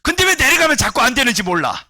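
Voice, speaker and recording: A middle-aged man, a pastor, preaching a sermon in a church with animated storytelling, jumping between shouts and low asides. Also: fast talker, no room sound.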